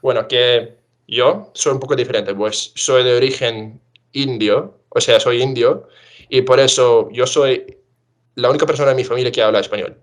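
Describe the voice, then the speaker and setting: A man's voice: mid-range voice, fairly even intonation, normal speed. A young man hosting a casual conversation, asking questions and steering the talk.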